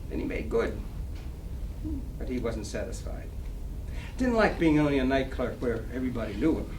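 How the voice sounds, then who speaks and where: An actor playing a cocky, wistful small-time 1920s New York gambler, telling rambling stories in slangy wiseguy talk at a dramatic play reading. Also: male voice, medium pitch, expressive, moderate pace, darkish tone, natural voice. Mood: wry, mocking. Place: library reading room. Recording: roomy distant live recording, clear noise.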